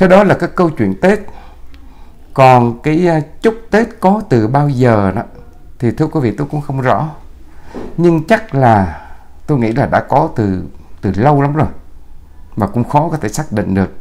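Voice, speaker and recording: Speaking at a fairly slow pace, a man uses very wide pitch swings and long, frequent pauses. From Vietnam. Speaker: journalist and channel host; journalist, channel host. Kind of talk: monologue commentary. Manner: formal. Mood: warm, festive, polite. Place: studio. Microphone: lapel.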